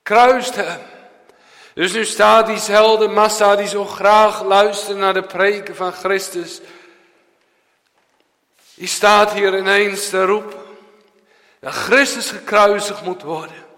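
Brief: male preacher, sermon delivery, high voice, slow and deliberate, rhetorical questions, big hall reverb. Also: level tone. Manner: rhetorical questions, swings between loud and hushed.

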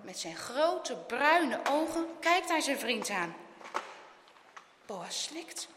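A woman reading a children's story aloud in a lively, expressive way. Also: high voice, very slow, noisy background. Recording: echoey room with long reverb.

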